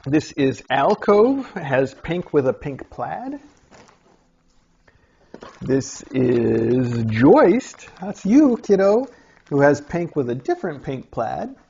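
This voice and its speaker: Unboxing mail sent for a litter of kittens, a man chats casually as he goes and now and then talks to the kittens in a higher, coaxing voice. His delivery is sing-song and slow, warm yet creaky and husky. The recording sounds a bit dull and lo-fi, with faint noise.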